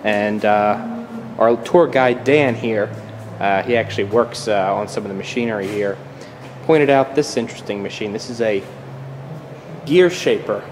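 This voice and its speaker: A man's voice: fairly low pitch, normal speed, in a large hall, a little hiss or hum. A man hosting a casual vlog tour of a machine shop, easygoing and stumbling over words as he explains. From United States. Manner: easygoing, repeats words while thinking. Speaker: channel host. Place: machine shop at an outdoor engine show.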